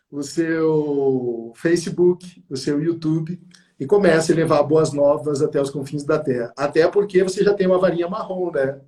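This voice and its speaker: Casting: high-pitched man, effusive interview host who acts out anecdotes. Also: a little mellow. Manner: effusive, acts out quoted voices with big pitch jumps. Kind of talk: enthusiastic interview chat.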